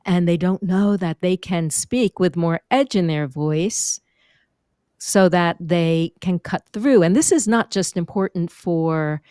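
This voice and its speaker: A woman from New York, a speaking and vocal coach, chatting as a guest on a podcast with an expressive, lively teaching manner. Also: lowish voice, slow pace, clean tone, dry recording, clean studio sound. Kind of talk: conversational podcast interview.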